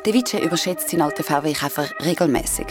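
A woman playing a calm, laid-back spiritual companion with a dry manner in an audio drama. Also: deep voice, fast, over music, close to an everyday voice.

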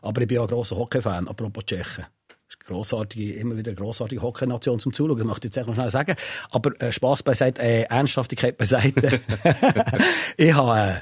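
Fast-talking husky Swiss German man. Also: no room sound. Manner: animated storytelling, jumps into high excited bursts. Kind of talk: casual chat.

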